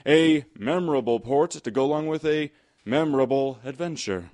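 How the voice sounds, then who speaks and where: A man's voice: medium pitch, normal speed, a little mellow. A man announcing on a radio drama, reading a scripted sponsor message in a polished sales delivery.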